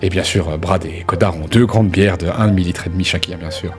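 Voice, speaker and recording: Very low-pitched male game master. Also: brisk. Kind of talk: improvised tabletop game narration in casual speech. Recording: music playing under the voice.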